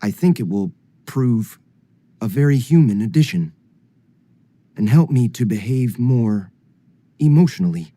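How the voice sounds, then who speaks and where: An actor playing a weary, curious male android with measured, formal and stilted phrasing in a film drama. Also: medium pitch, expressive, dark tone, dry recording. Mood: calm, formal.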